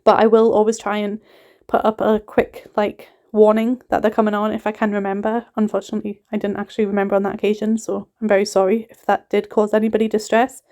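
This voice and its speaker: A woman's voice: medium pitch, completely flat delivery, fast talker, a little mellow. A woman in her thirties with a mixed northeast English and Scottish accent, chatting casually in a voiceover for her cleaning vlog, rambling and laughing often. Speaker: cleaning vlogger.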